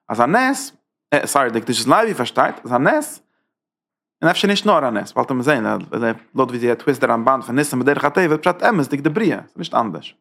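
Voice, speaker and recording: Man, gravelly voice, Hasidic text lesson, halting delivery, Yiddish-style German mixed with Hebrew terms. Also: fairly high pitch, fairly bright tone. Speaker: Torah teacher.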